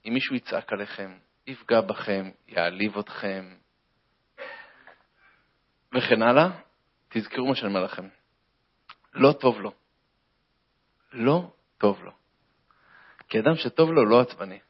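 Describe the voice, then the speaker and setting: A man telling a comic story and drawing a moral from it in an animated, lecturing way, on a dull lo-fi recording. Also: lowish voice, pauses often, slightly rough.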